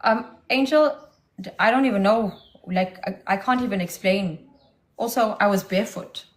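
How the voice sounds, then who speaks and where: A woman's voice: mid-range voice, normal speed. Female livestream host, casual, mocking, unbothered. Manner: defiant, mocking comebacks.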